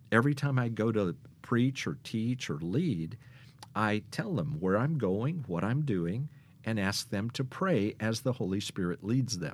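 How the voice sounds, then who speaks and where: A man's plain, everyday voice, medium in pitch, with an American accent, lively intonation and a fairly slow pace. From Kansas. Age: 60s. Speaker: pastor and spiritual formation director. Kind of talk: interview.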